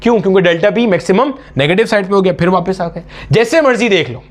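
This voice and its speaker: A man's voice: high voice, expressive, fast talker. A man teaches a physics exam-prep lecture. He explains each step, asks the class questions and answers them himself. He calls his students "beta" in a familiar, fatherly way.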